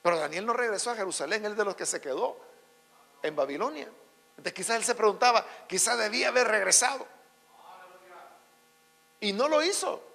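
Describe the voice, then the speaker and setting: A Salvadoran man preaches in a sermon, his voice sitting very high and swinging widely as he builds to shouted points. There is a gravelly edge to his tone. His voice rings through a reverberant church hall. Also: brisk, long pauses. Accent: Salvadoran Spanish. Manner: animated preaching, rising to shouts for emphasis, addresses listeners as brother. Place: church sanctuary.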